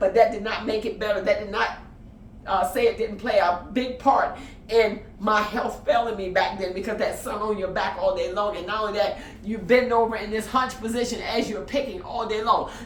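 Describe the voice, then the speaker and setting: Amid noticeable background noise and audible room echo, a woman with a fairly high pitch speaks in an animated tone at a fairly quick pace. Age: 60s. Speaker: motivational video blogger. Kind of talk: inspirational monologue.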